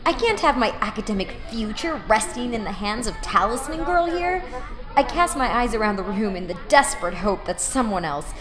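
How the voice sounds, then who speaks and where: A woman's voice: fairly high pitch, sing-song, moderate pace, in a large hall, over music. A woman playing a weary, sarcastic young student and waitress, narrating her life in a dry, reluctant way in an audio drama. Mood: exasperated. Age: young adult. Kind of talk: first-person audio drama narration and dialogue.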